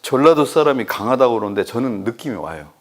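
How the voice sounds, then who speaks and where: A man's voice: mid-range voice, fast talker. A man lectures like a storyteller, swinging his voice widely as he plays every part in his anecdotes. He teases and questions the listeners between the stories, keeping the talk joking and conversational. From Chungcheong, South Korea. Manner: animated storyteller who acts out dialogue and teases the audience. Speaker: university professor lecturing.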